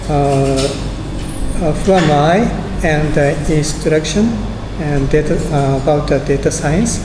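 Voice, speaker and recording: A middle-aged Japanese man with a Japanese accent, giving a conference talk in English, a second language he speaks haltingly with many fillers and restarts, recorded in a large conference room on a lectern mic. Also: fairly high pitch. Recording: echoey hall, air conditioner hum.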